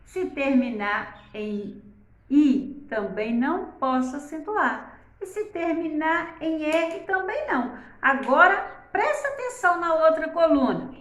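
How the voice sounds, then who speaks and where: A woman teacher giving a grammar lesson, reading words slowly and stretching their stressed syllables, often asking "né?". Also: sits high, lively intonation, a bit bright, reverberant. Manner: uses the diminutive "palavrinha" and "né?". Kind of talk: slow, careful grammar lesson.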